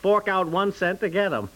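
A man's voice: high-pitched, normal speed, fairly bright tone. A man playing an absent-minded, defensive but easygoing husband and new father in a 1950s radio comedy, hesitant and placating. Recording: noisy, clicky 1950s radio recording.

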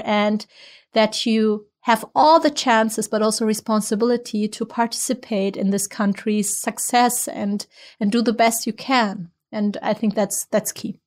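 Earnest German woman investor, emphatic. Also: a little high. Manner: earnest, emphatic, repeats words for stress. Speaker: interviewee, tech investor. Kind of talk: interview answers.

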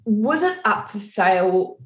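A middle-aged woman hosts a podcast interview from an echoey room. Her pitch is medium, and she puts her questions in a conversational style. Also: very animated, measured pace. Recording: roomy, echoing sound.

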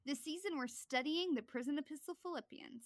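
A woman's voice: sits high, brisk, no room sound, clean studio sound. A woman co-hosting a Bible study podcast, chatting casually and laughing easily. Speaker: podcast co-host.

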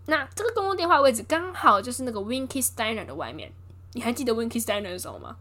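Young woman host, higher voice, animated storyteller who acts out quotes. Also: quick pace. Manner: lively, acts out quotes with voice shifts and laughs. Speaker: host retelling a film. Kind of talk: casual storytelling chat.

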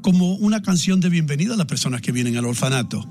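A man, his voice sitting a little high, hosts a television interview. He interprets on the fly, stammering and restarting his lines. Faint music plays behind him. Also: animated, rapid-fire, a little mellow. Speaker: TV host and interpreter.

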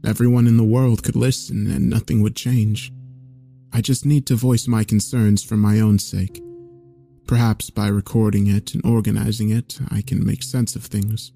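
Guy reading a scary story, really dark soft-edged tone, solemn and measured, bit of music behind. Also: on the low side, steady tone, vocal fry. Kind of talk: scripted first-person horror story narration. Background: faint background music.

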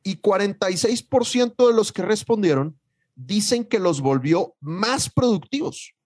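A man with a Mexican accent co-hosting a business podcast, talking in an animated, slangy, emphatic way. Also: high voice. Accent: Mexican Spanish. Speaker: podcast co-host. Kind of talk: casual podcast chat.

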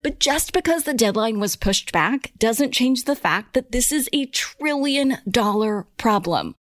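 A woman's voice: on the high side, dry recording, studio quality. A woman presenting scripted explanatory commentary as a host, in an emphatic, opinionated way with wry asides. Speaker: host of a personal finance show.

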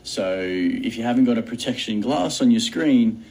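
A man leaving a casual voice message, talking hesitantly in a husky voice. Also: mid-range voice, lively intonation, normal speed, a little mellow, a little hiss or hum, low-quality recording. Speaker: guest answering by voice message.

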